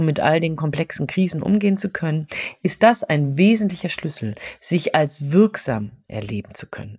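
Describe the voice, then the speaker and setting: This woman's pitch is very deep and low. She talks at a moderate pace with lively intonation. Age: 50s. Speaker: leadership trainer and coach, podcast host. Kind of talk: solo podcast monologue.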